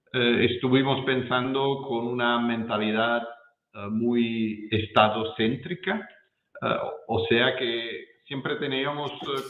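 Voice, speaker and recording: Halting Italian-accented man, slow and echoey. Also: medium pitch. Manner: halting, hesitant, repeats words while searching for them. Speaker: guest speaker, professor. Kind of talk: academic presentation. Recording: echoey room, muffled lo-fi sound.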